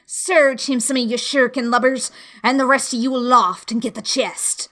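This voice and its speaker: A woman voicing a furious, domineering blind old pirate man who shouts orders in an audiobook. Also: on the high side, fairly even intonation, normal speed, pitched above the performer's own voice. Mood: commanding, eager. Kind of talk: dramatic audiobook character voice.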